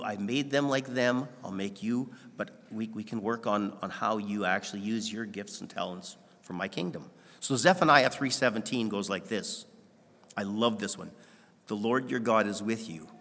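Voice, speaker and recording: A man's voice: mid-range voice, fairly bright tone. Guy preaching casual and self-deprecating, acts out chats with god, echoey church hall. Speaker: pastor. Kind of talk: sermon.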